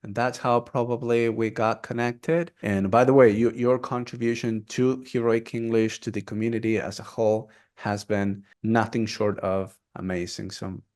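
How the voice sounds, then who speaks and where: Upbeat male podcast host, lowish voice. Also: moderate pace, hardly any pauses. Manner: energetic, encouraging.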